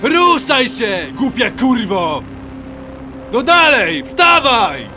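Impatient, foul-mouthed thug leader for horror audio drama; drawn-out commands, music underneath. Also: male voice, very high-pitched, big pitch swings, full character voice. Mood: furious, shouting. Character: brutal, impatient armed thug gang leader. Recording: music behind the voice.

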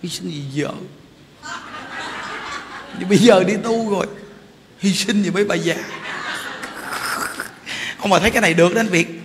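A Buddhist monk, telling stories in a casual, animated sermon that speaks straight to his listeners. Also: high-pitched, moderate pace, long pauses. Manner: animated, laughing, addresses listeners directly. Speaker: Buddhist monk giving a dharma talk. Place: temple hall. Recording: reverberant hall, faint background noise.

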